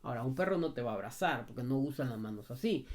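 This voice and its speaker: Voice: medium pitch, expressive, fast talker, a little mellow. Emphatic dog trainer giving blunt advice. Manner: emphatic and repetitive, often asks "ok?"; talks straight to the viewer in familiar second person. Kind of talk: casual advice video answering a viewer.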